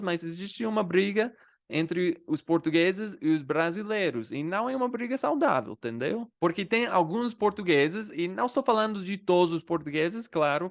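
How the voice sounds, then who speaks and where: American male language vlogger, slightly high voice, easy chatty delivery with frequent tag questions. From United States. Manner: conversational, often adds "né?" and "entendeu?" as tags. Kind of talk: casual explanatory vlog.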